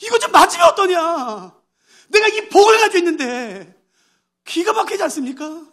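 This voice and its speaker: A man's voice: very high-pitched, very animated, normal speed, a bit bright. A male pastor preaching a sermon, telling a story with great animation and acting out its characters' voices.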